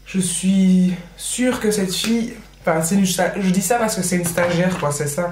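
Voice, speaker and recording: A woman at medium pitch speaks with fairly even intonation, with noticeable background noise and audible room echo. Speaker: beauty vlogger and hairdresser. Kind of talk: casual vlog. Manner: fast.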